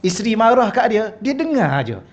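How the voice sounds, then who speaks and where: Malaysian guy giving a religious talk in a mosque hall, kinda high voice, jokey, keeps asking the room stuff. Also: sing-song, moderate pace. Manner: humorous, conversational, asks the audience questions. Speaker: religious teacher. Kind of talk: religious lecture. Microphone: wireless microphone.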